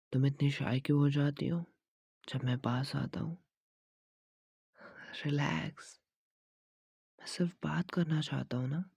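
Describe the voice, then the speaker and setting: Whispered role-play: man as a teasing young gym trainer, husky and slow, soft coaxing delivery. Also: dry recording, heavily acted. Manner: soft, coaxing, teasing with frequent low laughs; mixes Hindi and English phrases. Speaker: ASMR creator.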